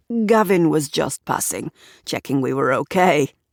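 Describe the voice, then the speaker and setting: Raspy and middle-pitched, this put-on character voice moves at a moderate pace in a very clean recording with a silent background. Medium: audio drama. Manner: smooth, unruffled, casual.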